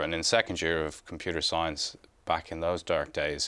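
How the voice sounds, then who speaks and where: A man with an Irish accent, very deep, low pitch, a bright, sharp tone and a moderate pace. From Ireland, north Dublin. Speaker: leadership and wellness coach. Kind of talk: interview.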